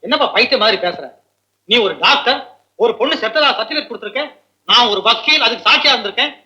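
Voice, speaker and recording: Determined lawyer, high bright voice, lively and probing. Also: male voice, quick pace, heavily acted, low-quality recording. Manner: earnest, probing. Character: suspicious lawyer determined to uncover a mystery.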